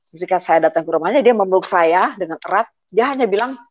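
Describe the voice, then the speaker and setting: A woman's voice: mid-range voice, animated, fast. A middle-aged woman giving a personal testimony, speaking hesitantly with many filler sounds as she retells painful family events. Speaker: guest giving a conversion testimony. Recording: dull lo-fi audio.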